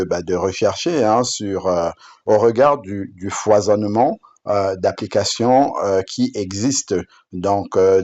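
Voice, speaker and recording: Halting low-voiced man. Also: a little mellow. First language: Bamoun. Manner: halting, with frequent fillers and restarts. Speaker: app creator presenting his Bible app. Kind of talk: unscripted screen-demo presentation. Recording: dull lo-fi sound.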